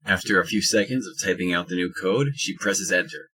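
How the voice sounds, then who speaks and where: A man reading scripted third-person narration for an audio drama in a husky voice. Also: sits low, brisk, sharp tone.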